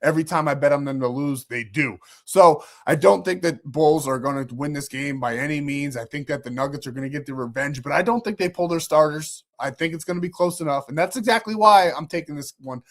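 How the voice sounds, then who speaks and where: A man's voice: a little high, a little fast, few pauses. A man hosting a sports betting channel, talking through his picks in a rambling, confident way while sick and losing his voice. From New York. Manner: rambling, confident, self-correcting. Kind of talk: casual betting picks talk.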